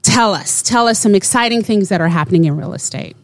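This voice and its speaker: A woman's voice: mid-range voice, fairly quick, dry recording. Upbeat woman podcast host, dry mic. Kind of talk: podcast interview hosting.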